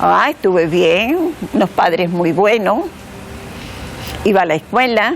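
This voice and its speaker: A woman at a very slow pace, medium in pitch, over noticeable background noise. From Canary Islands, Las Palmas de Gran Canaria. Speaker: emigrant interviewee. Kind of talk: interview.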